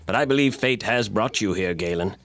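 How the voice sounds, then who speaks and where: Low-voiced, portentous blind old preacher. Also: male voice, fairly bright tone. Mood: cryptic, insistent. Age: older. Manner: deliberate, portentous, old-fashioned phrasing. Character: blind old ex-preacher, haunted, cryptic, fate-obsessed. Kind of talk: audio drama acting.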